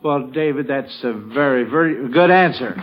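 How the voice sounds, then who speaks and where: A man's voice: medium pitch, normal speed, muffled recording, slight background noise. A man hosting a classic radio quiz show in an encouraging, chatty manner, on an old broadcast recording.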